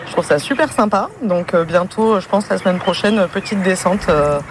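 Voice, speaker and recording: A woman's voice: mid-range voice, moderate pace. A young woman interviewed outdoors by a river, talking enthusiastically with hesitant fillers. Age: young adult. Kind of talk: casual interview. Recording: field recording with outdoor noise.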